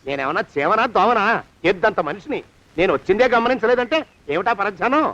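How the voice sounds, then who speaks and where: An actor playing a vain, stingy, lecherous middle-aged landlord who scolds and blusters in comic film dialogue. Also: male voice, high-pitched, expressive, fairly quick, a bit bright. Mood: scolding. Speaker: film comedian. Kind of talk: Telugu film comedy dialogue. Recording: dull lo-fi film soundtrack.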